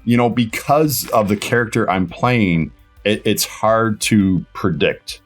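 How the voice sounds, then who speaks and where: Low-voiced man, halting interview guest. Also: faint music behind. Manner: halting, hedging, thinking aloud. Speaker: guest voice actor. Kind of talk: casual interview chat.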